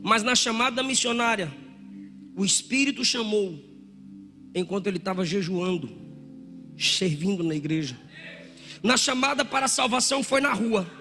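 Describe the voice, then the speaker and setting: A man preaching a Pentecostal sermon in a church, animated, often shouting and acting out voices from the crowd. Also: high-pitched, moderate pace, vocal fry, long pauses. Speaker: pastor. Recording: church hall reverb with music.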